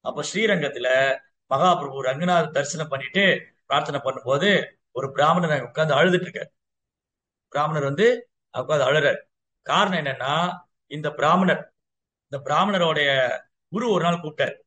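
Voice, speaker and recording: A man's voice: fairly high pitch, moderate pace, long pauses, sharp tone. A male Vaishnava preacher telling a devotional story to a gathering, acting out dialogue and repeating phrases. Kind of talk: sermon storytelling to a congregation.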